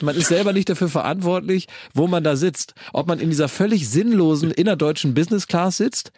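A man's voice: on the high side, darkish tone, slightly rough, no room sound. A man with a slightly raised voice, chatting casually and spinning rambling stories, often laughing mid-sentence. The sound is dry and close, with no room around it. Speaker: podcast co-host. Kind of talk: casual chat, anecdotes.

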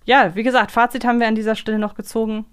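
A woman's voice: a little high, flat delivery, racing, clear, resonant tone. A woman co-hosting a podcast in a casual, reflective fan discussion. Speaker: podcast co-host.

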